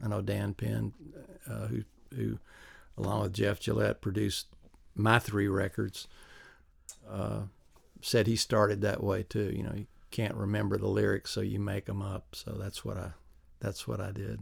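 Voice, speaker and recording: With a Southern US accent, a man talks at a moderate pace, leaving long, frequent pauses. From Kentucky, US South. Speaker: songwriter. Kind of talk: casual interview. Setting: recording studio.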